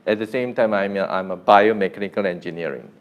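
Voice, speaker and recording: A man's voice: lowish voice, fast. A young man from Korea with a Korean accent, a native Korean speaker, teaching a beginner Korean class live online in an informal way and often restarting his sentences. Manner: energetic, coaxing the class to repeat louder.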